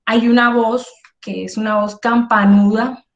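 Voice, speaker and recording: A woman's voice: a little high, flat delivery, a little slow, reverberant, highs cut off. A woman teaching an online workshop, speaking with energy and emphasis and often checking in with her listeners. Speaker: workshop instructor.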